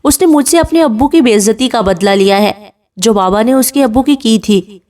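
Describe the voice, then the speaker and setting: A tearful, pleading young woman from an audiobook novel, read by a woman. Her voice is fairly high, strained with heartbreak and insistence. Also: a little mellow, distant mic, close to an everyday voice.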